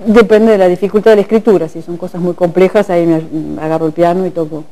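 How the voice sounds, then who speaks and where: A middle-aged woman conductor, guest on a TV studio talk show, explaining in a calm, measured way. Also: on the low side, rough recording. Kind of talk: casual TV interview. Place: TV studio set at a table.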